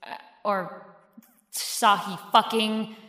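Woman acting a blunt, casual commentator for audio drama: mid-pitched, drenched in long reverb. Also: steady tone, extremely slow, a bit bright. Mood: exasperated. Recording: echoey hall with long reverb.

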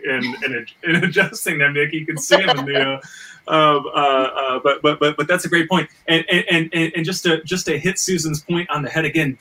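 A man with a bright, forceful, fairly high voice, sounding a bit far from the microphone. He chats emphatically, tripping over repeated words and swearing casually. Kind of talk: casual, emphatic panel chat.

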